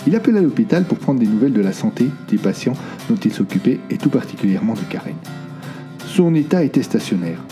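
A man narrating a novel in an expressive, dramatic storytelling manner. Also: mid-range voice, fast, over music. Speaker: audiobook narrator. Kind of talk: scripted narration.

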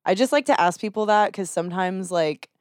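A young woman with a light Texan accent hosts a relaxed podcast conversation, laughing easily and teasing her guest. Her voice sounds dry and close, with no room echo. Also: mid-range voice, a little fast. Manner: laughs often, playful. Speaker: podcast host. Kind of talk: casual chat.

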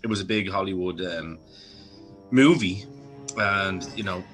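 Male podcast host, casual and sweary, low voice with a bright edge. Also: unhurried, faint music behind. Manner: chatty, swearing, laughs easily. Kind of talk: casual film chat.

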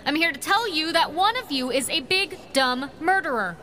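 A woman's voice: high-pitched, lively intonation, normal speed, sharp tone, a little hiss or hum. A young woman playing a cheeky, theatrical masked vigilante in a pulp radio drama, self-assured and showy. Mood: brash, showy.

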